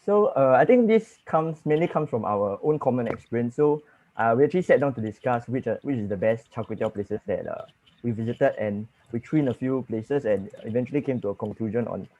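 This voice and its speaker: A man's voice: medium pitch, expressive, fairly quick, warm tone, no echo. A young man with a Singaporean accent, earnestly explaining his team's choices to judges over a video call. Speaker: student contestant. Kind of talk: answering judges' questions. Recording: dull dry lo-fi call audio.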